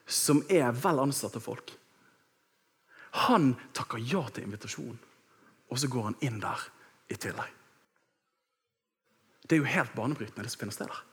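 Husky, lively male preacher. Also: medium pitch, long pauses. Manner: lively storytelling, acts out shouting. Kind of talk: sermon with personal story.

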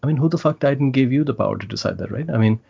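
A man's voice: mid-range voice, animated, racing, vocal fry, mellow, slightly rough, dull audio. A middle-aged man with a South Asian accent, talking casually and articulately about his opinions, mixing Hindi-Urdu into English and swearing freely.

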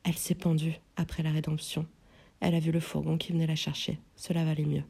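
A woman reading the part of a guarded, quietly threatening handmaid in an audiobook. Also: sits low, fast talker, vocal fry, husky, exaggerated voice. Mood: hushed, quick. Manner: light, flat, quietly threatening.

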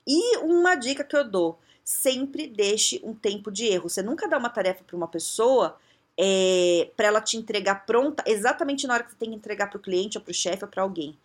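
A woman's voice: mid-range voice, expressive, brisk. A woman with a Brazilian Portuguese accent giving blunt, conversational leadership advice, often acting out little dialogues. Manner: blunt, conversational, frequent tag questions, acts out dialogues. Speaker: leadership coach. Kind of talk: casual advice talk.

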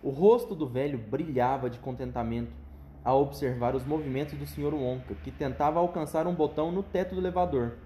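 A man reading a children's book aloud at home, pausing for patient, conversational asides with a child. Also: medium pitch, dark tone, reverberant, slight background noise.

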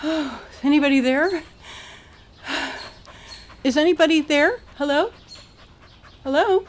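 A woman's voice: high voice, a little slow, a little hiss or hum. A woman voicing a blind woman with a guide dog in a comedic cartoon, calling out anxiously and pleading.

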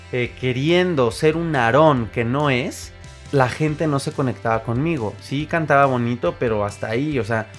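A man with a Mexican accent, a podcast host and singer, telling stories in a casual, animated monologue full of fillers and restarts. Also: mid-range voice. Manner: animated storyteller, acts out quoted voices, frequent fillers and restarts.

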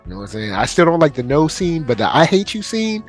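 A man co-hosting a podcast, telling stories in lively slang and laughing often. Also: on the high side, fast talker, soft background music. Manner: animated, laughing, slangy storytelling. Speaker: podcast co-host. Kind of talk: casual chat.

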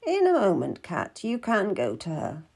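A woman's voice: mid-range voice, huge pitch swings, moderate pace, vocal fry, darkish tone, breathy edge, full character voice. Woman acting stern, secretive old midwife. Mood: grave, secretive. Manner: commanding, clipped, solemn.

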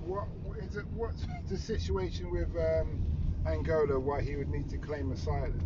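A man's voice: on the high side, steady tone, moderate pace, dull audio, heavy background noise. A man hosting a casual, spontaneous interview inside a taxi, asking loose conversational questions. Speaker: podcast host interviewing taxi passengers.

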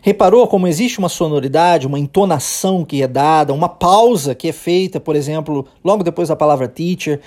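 A man with a Brazilian Portuguese accent teaching English on a podcast, animatedly drilling phrases and repeating them slowly. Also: fairly high pitch, darkish tone.

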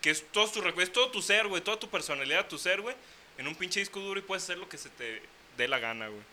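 A man's voice: sits high, animated, quick pace, pushed and bright, slight background noise. A man with a Mexican accent chatting eagerly on a podcast, full of slang. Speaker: podcast co-host. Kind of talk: casual podcast chat.

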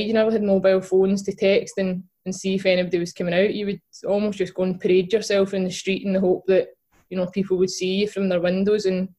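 This young woman from Scotland, a footballer who co-hosts a podcast, talks informally as an interview guest in a Glaswegian accent, using many fillers and restarts. She has a mellow, mid-range voice.

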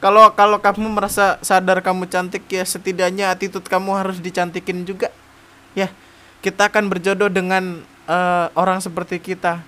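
A young man, talking straight to camera in a loose, blunt monologue. His voice sits high for a man, and he keeps it animated and slangy, acting out mocking bits of dialogue. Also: moderate pace. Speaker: vlogger giving dating advice. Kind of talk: casual monologue.

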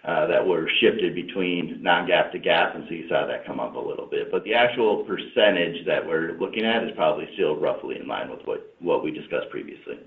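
A man's voice: sits low, fairly quick, hardly any pauses. A man speaking as a finance executive on an earnings call, explaining business matters off the cuff and often restarting phrases. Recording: muffled roomy phone conference line.

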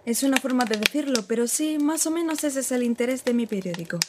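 A woman playing a sharp-tongued female newspaper reporter with an ironic, teasing manner in a radio drama. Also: sits high, expressive, fast, background noise. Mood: probing. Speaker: journalist.

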